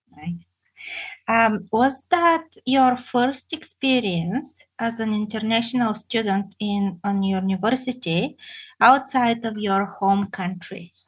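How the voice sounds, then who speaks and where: A woman speaks very slowly with a Bulgarian accent, her voice somewhat breathy and fairly high-pitched. The background is quiet. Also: ordinary pitch variation. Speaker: community radio host. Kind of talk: interview. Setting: video call.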